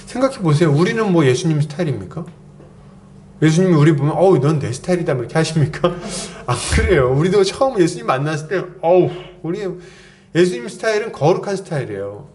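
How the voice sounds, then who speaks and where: A man's voice: a little high, a little mellow, slight background noise. A man preaching a sermon in a chatty way, acting out quoted lines and often chuckling. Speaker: pastor.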